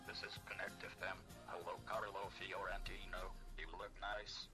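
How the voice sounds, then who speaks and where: A phone speech app with a flat, synthetic male robot voice, playing out through a phone speaker. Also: low-pitched, normal speed, faint music behind. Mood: deadpan.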